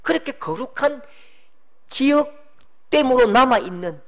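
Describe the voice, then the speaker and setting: A middle-aged pastor preaching a sermon, animated, acting out quoted voices and shouting for emphasis. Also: male voice, very high-pitched, unhurried.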